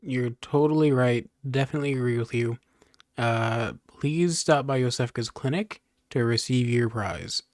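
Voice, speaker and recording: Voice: medium pitch, moderate pace, a little mellow, no room sound. A streamer giving casual, joking commentary on a video game in a sarcastic, irreverent way.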